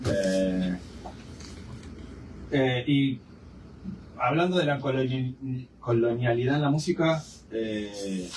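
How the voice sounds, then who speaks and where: A man with an Argentine accent speaking as a guest in a live panel discussion, hesitant and full of filler sounds, recorded in a forum hall. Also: medium pitch. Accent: Argentine Spanish. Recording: distant mic with clear room noise.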